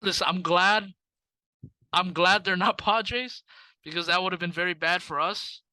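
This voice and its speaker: Bright-voiced man on a sports podcast. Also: sits high, a little slow, clear, resonant tone, no room sound, rough recording. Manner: blunt, jokey. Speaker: podcast co-host. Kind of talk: casual sports chat.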